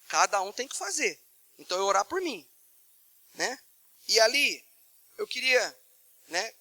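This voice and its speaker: Male Brazilian pastor, very high and bright, animated sermon delivery. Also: no room sound. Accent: Brazilian Portuguese. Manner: animated preaching, acting out prayers in changing tones. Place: church. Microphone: microphone.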